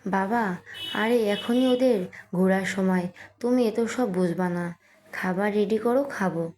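A woman storyteller voicing a good-humored middle-aged father who teases his family, in a mellow reading voice. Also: medium pitch, measured pace, natural voice. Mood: teasing. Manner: teasing, easygoing.

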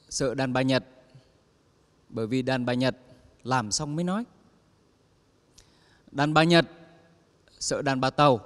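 Man telling jokes in a hall. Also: mid-range voice. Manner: addresses the audience, acts out quoted lines. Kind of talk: stand-up joke telling.

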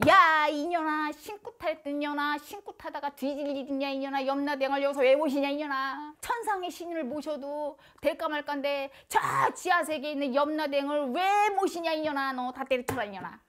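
A woman's voice: high-pitched, steady tone, moderate pace, few pauses, pitched above the performer's own voice, close to an everyday voice. A woman doing a cursing old shaman teacher. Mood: berating. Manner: cursing, berating. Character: harsh older female shaman teacher, scolding.

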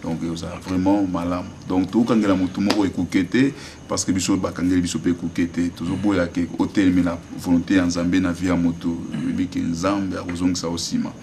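A gospel singer answering interview questions in an earnest, appealing way. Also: male voice, deep voice, little pitch movement, a little fast. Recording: distant mic with loud noise.

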